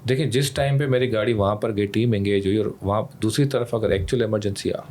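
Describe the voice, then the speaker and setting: A man with a Pakistani accent speaks in a fairly low voice as an official explaining his work in an interview. He drops English words and phrases into his sentences. Some noise can be heard behind him. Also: a little fast, a little mellow. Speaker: emergency rescue service official, interview guest. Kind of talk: explanatory podcast interview talk. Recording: clear background noise.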